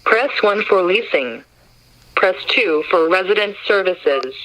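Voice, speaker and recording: A recorded phone menu message reading options in an even, clearly spaced scripted announcement. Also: medium pitch, takes it slowly, rough recording. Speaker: automated phone greeting.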